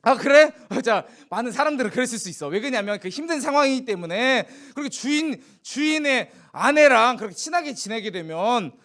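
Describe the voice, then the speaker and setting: A man with a very high-pitched voice delivers a children's sermon briskly, barely pausing. He tells a Bible story in an animated way and asks the children questions as he goes.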